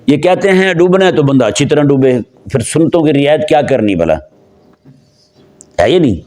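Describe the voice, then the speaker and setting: A man from Pakistan giving a sermon, talking conversationally to a seated gathering, asking them questions and slowing down to recite scripture. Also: fairly high pitch, expressive, warm tone. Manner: conversational, asks the audience questions; slows down for Quranic recitation. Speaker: Islamic preacher.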